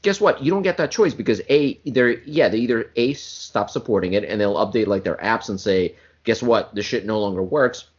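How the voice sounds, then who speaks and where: Podcast dude ranting loosely, voice bouncing up and down, jokes on himself, muffled audio. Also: male voice, on the low side, expressive, fairly quick, hardly any pauses, husky. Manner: joking, rambling, self-mocking. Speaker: podcast co-host. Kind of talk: casual banter.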